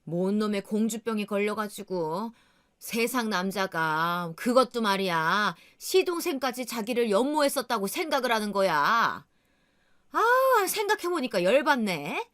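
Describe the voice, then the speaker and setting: A blunt, scornful older mother in a radio drama, as a woman narrator puts her on. Her pitch climbs and drops in a lively way as she complains. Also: moderate pace, natural voice. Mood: indignant.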